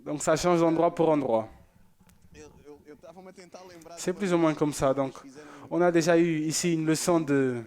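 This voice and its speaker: A man's voice: fairly high pitch, measured pace, long pauses, darkish tone. A man presenting a church show, chatting casually and joking as he reads out viewer messages.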